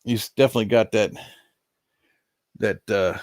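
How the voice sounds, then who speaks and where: A man's voice: fairly low pitch, steady tone, moderate pace, darkish tone, no room sound, studio quality. An older man hosting a casual live stream, rambling in a folksy way and reading out viewer names, a little nasal from allergies. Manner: rambling, folksy, chuckling asides.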